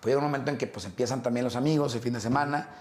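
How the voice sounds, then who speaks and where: A man's voice: medium pitch, rapid-fire. Chatty man, echoey room. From Mexico. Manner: relaxed, rambling storytelling with many fillers and restarts. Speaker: interview guest. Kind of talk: casual interview conversation.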